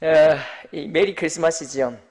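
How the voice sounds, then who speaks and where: A middle-aged man with a Gyeongsang accent preaching a Christmas sermon as pastor, mixing joking asides with loud proclamations. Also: fairly high pitch, normal speed. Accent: Gyeongsang Korean. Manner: jokey asides, then loud proclaiming outbursts.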